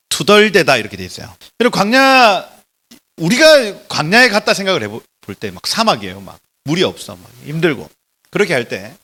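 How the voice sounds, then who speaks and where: Animated male preacher, bright lively voice. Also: sits high. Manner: animated, emphatic, swings between loud exclamations and soft drops. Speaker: pastor giving a Bible lecture. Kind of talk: sermon lecture. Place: church.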